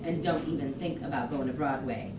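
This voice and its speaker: A woman's voice: extremely low pitch, brisk. A woman playing an embittered, defiant Black actress in an impassioned staged monologue. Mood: bitter, defiant. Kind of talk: staged reading of dramatic monologue. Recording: distant, echoey, very noisy room.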